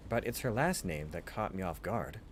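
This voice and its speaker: A man's voice: deep voice, expressive, normal speed, slight background noise. A man voicing a talkative, teasing male sidekick to a detective in a visual novel, in a conversational way. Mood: grave, confiding.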